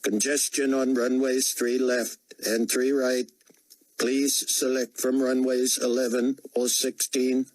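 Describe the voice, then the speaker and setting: A man doing a slow, calm talking computer. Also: medium pitch, no room sound, voice pushed up, lightly acted, poor audio. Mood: measured. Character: calm polite in-flight computer voice, genderless machine.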